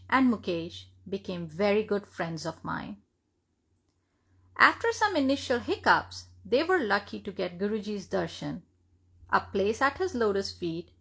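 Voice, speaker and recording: Woman with a creaky voice reading aloud. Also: medium pitch, a bit bright. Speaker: reader of devotional testimonies. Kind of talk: reading a written first-person story aloud.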